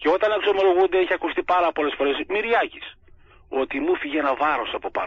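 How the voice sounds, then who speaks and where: A man's fairly quick, high-pitched voice with lively intonation and big swings in loudness. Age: 60s. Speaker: Orthodox monk and spiritual father. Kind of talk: radio interview.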